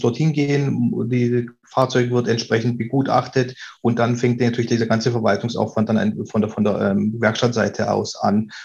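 Vocal fry marks a man's medium-pitched voice. He talks at a moderate pace with fairly even intonation. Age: 30s. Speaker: startup founder. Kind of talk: interview.

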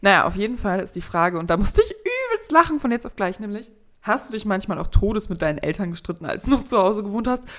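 A woman at medium pitch talks at a very fast pace, her intonation lively and her loudness swinging widely. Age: 20s. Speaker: podcast co-host. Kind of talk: casual chat.

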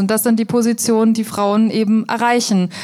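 A woman with an ordinary speaking voice talks at a moderate pace, her pitch fairly high. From East Germany. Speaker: author and comic artist. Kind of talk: live panel discussion. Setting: stage with audience at film festival.

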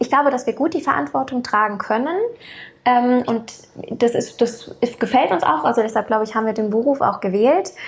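With lively intonation and a fairly high pitch, a woman speaks fairly quickly in a plain, everyday voice. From Heidelberg. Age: 20s. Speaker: midwife. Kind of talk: casual interview. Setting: kitchen at home.

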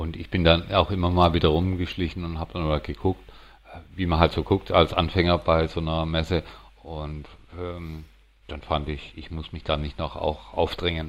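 A man with a very deep, low voice speaks at a moderate pace in a monotone, flat delivery, his loudness swinging widely. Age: 50s. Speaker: self-employed restaurateur and private investor. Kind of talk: casual chat.

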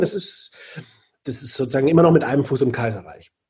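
A man's somewhat breathy voice moves at a fairly quick pace. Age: 40s. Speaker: management author and consultant. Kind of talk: interview.

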